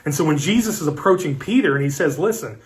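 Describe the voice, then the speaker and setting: A man in his thirties giving a midweek devotional sermon as pastor, talking in a relaxed, conversational, storytelling way with casual fillers. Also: on the high side, fast talker. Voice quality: conversational, storytelling delivery with acted-out dialogue. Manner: relaxed, folksy preaching with fillers like "like" and "listen".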